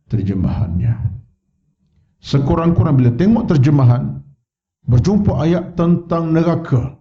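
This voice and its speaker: A Malaysian Malay man teaches in a mosque, talking at a middle pitch and acting out the voices in his stories. The sound is a bit dull and lo-fi, as if taken from a wireless microphone. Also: warm tone. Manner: storytelling, acts out quoted voices with rising pitch. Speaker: religious teacher. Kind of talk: mosque lecture.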